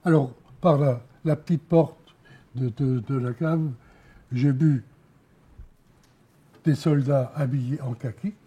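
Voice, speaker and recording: Elderly man with a very dark, husky voice. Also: medium pitch, fairly even intonation. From Alsace, France. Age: elderly, around 90. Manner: halting, repeats words, pauses between short phrases. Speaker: war veteran giving eyewitness testimony. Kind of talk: spoken testimony, recounting memories.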